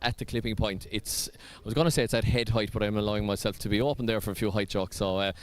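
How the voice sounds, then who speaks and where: A man's voice: fairly low pitch, steady tone, quick pace. An Irish man presenting at a drift event, walking the pits and chatting with drivers in an upbeat way. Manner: chatty, upbeat, fills with ums. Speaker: pit lane presenter. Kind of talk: live event pit-walk interviews.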